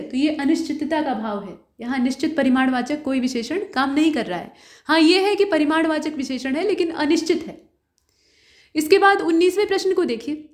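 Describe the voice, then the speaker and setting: A woman teacher going through mock exam questions one by one, explaining each answer to the viewer in a steady, direct way. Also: high-pitched, roomy sound.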